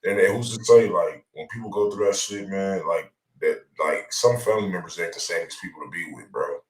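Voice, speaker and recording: A man's voice: deep voice, fairly quick, a little hiss or hum. A man co-hosting a casual chat show, slangy and profane, often repeating his phrases, with a roomy echo on his voice. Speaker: radio show co-host.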